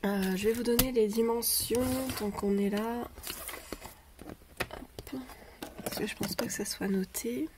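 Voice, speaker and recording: A woman with a cold chats through a home unboxing video, her voice stuffy and her speech hesitant and full of fillers. Clicks and crinkling wrapping paper are clearly audible on the recording. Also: fairly high pitch, fairly even intonation, noisy background. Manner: hesitant, many pauses and "euh" fillers. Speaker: craft vlogger. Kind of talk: casual unboxing chat. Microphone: camera over a tabletop, speaker off-frame.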